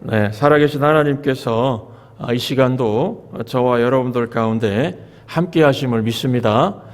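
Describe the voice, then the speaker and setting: A man preaching a Sunday sermon as pastor, measured and asking the congregation rhetorical questions. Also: mid-range voice. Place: church sanctuary. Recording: long reverb of a church sanctuary.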